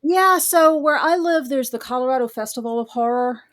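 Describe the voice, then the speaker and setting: A woman's voice: high voice, moderate pace, fairly bright tone. A woman speaking casually as a guest writer in an interview.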